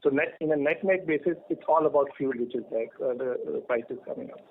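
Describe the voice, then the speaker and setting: A man with a middling pitch is heard through a narrow phone connection with faint noise. He is an executive answering on a conference call, halting and repeating words as he goes. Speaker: airline executive on an earnings call. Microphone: telephone conference line.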